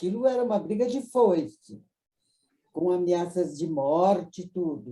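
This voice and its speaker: With a dark, mellow tone, a woman's fairly low voice moves through very wide pitch swings. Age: 90s. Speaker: playwright. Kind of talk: casual chat.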